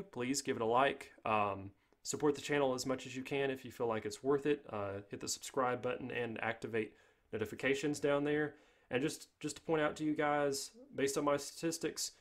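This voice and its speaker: A man narrating a software tutorial in an informal, step-by-step way. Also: mid-range voice. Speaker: tutorial host.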